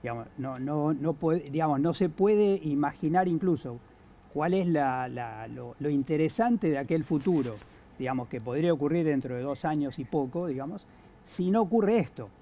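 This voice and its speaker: A man with an Argentine accent, giving analysis on a political talk show, halting with many fillers and restarts. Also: a little high, lively intonation, mellow. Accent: Argentine Spanish. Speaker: guest analyst.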